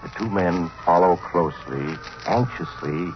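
An actor playing an ominous, inviting male storyteller in theatrical, deliberate old-time radio suspense style. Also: low-pitched, lively intonation. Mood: suspenseful. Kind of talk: 1940s radio acting, suspense narration. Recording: dull vintage radio with loud music.

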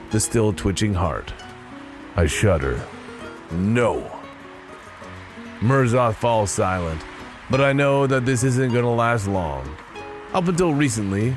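A man narrating an audio drama in the first person with a dry, sardonic manner. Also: lowish voice.

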